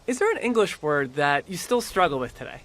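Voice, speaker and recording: A woman interviewer firing off short, upbeat questions in quick succession. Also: low voice, big pitch swings, fairly bright tone, slight background noise. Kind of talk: quick street-style questions.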